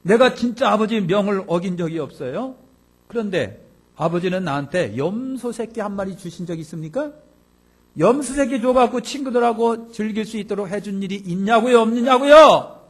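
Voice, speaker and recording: A man's voice: high voice, animated, moderate pace, voice pushed up. A male preacher acting out a resentful grown elder son who complains indignantly to his father.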